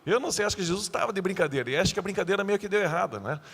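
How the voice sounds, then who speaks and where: A male pastor giving a youth sermon, animated and joking, acting out the scenes he tells. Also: sits high, racing, slightly rough, long reverb tail.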